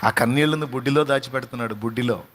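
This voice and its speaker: A man's voice: medium pitch, racing, background noise. A male pastor delivering a sermon in an emphatic style, repeating phrases and asking rhetorical questions.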